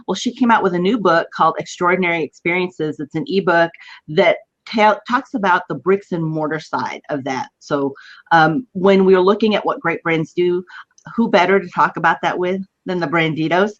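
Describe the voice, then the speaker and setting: A woman's voice: lowish voice, normal speed. A woman with a West Texas drawl, chatty and informal as she hosts a casual live stream. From West Texas, United States. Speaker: host of an online video chat. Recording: dull lo-fi web video call.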